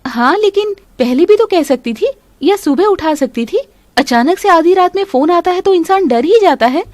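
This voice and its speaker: A young daughter-in-law speaks earnestly and politely in a high, animated voice, voiced by a woman. She is a patient but firm young wife in a storybook cartoon. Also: normal speed, no room sound. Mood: puzzled.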